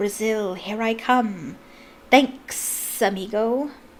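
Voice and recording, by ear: A woman speaks in a put-on character voice, very slowly and with a hiss. Her pitch is fairly high, and background noise is clearly heard.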